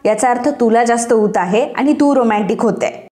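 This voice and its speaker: A woman's voice: fairly high pitch, normal speed, warm tone, lightly acted. A woman voicing a proud, stubborn young husband who is sick, with boastful, dismissive retorts. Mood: mocking.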